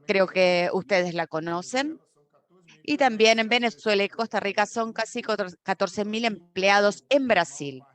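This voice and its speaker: A woman giving a simultaneous interpretation of a corporate conference talk, steady but often correcting herself mid-word. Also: medium pitch, unhurried. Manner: steady with frequent self-corrections and restarts.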